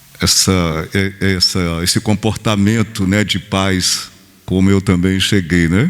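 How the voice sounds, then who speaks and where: Noticeable background noise accompanies a man speaking at a fairly low pitch and a fairly slow pace in a monotone, flat manner. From northeastern Brazil. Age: 60s. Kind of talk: panel talk.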